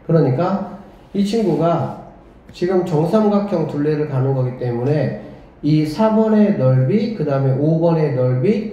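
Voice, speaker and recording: With a fairly high, mellow voice, the director of an academy works through math on the classroom board, murmuring along while drawing and checking in through rhetorical questions. The room echoes, and the lo-fi microphone sounds dull.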